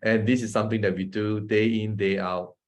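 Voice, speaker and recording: A man's voice: fairly low pitch, level tone, fairly quick. A man from Malaysia with a Malaysian English accent, giving a casual talk to an audience, chatty, often asking "right?" and laughing between points. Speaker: presenter.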